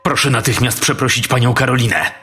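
A man's voice: medium pitch, a little fast, sharp tone, breathy edge, pitched above the performer's own voice. A man doing a stern senior teacher. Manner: commanding, thundering. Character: stern older woman preschool teacher.

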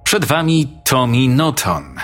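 A man voicing a patient, gentle female schoolteacher in a spooky story reading, speaking in a soft, coaxing tone. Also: medium pitch, sing-song, slow pace, voice pushed up. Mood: playful.

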